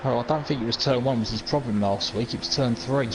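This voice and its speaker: A man co-commentating an online race preview, measured and thoughtful with pauses. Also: medium pitch, noisy background. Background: dog at home.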